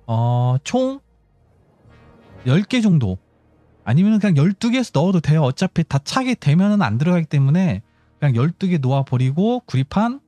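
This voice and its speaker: A man's voice: a little high, sing-song, moderate pace, dark tone, no room sound, faint music behind. A man giving casual game tutorial commentary, explaining step by step and thinking aloud as he goes. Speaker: gaming channel host.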